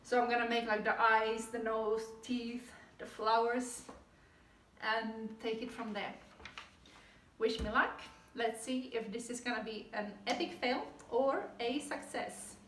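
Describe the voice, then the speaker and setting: Upbeat female craft vlogger, fairly high voice, recorded a bit off-mic in an echoey room. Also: fairly even intonation, measured pace, a bit bright, far from the mic, slight background noise. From Finland. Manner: cheerful, chatty, upbeat. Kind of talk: casual how-to vlog.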